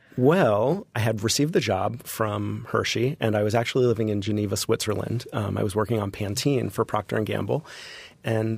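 Fairly low-pitched and fairly quick, a man speaks in a very clean recording with a silent background. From Florida. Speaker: corporate design executive and actor. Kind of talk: interview. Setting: studio. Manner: enthusiastic.

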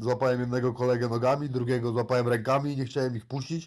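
Monotone, flat intonation at a medium pitch from a man. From Poland, Kuyavia (Ciechocinek). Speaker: bare-knuckle fighter. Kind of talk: casual interview. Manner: halting, repeats words.

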